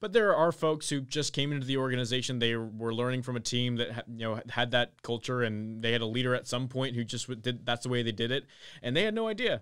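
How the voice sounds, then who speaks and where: A normal speaking voice at a fairly quick pace, with hardly any pauses, fairly even intonation and a quiet background. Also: man, medium pitch for a man. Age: 20s. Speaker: podcast host, sales account executive. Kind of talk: casual interview. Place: studio. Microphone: studio mic.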